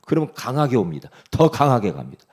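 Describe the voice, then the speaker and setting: A male pastor preaching a dawn prayer sermon, asking the congregation questions and swinging from loud exclamations to hushed whispers. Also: medium pitch, big pitch swings, fast. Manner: asks the congregation rhetorical questions.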